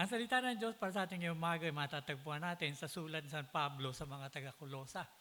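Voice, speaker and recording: Very fast and lively in intonation, a man speaks with a bright, sharp tone at a fairly high pitch. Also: hardly any pauses. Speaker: preacher. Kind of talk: sermon.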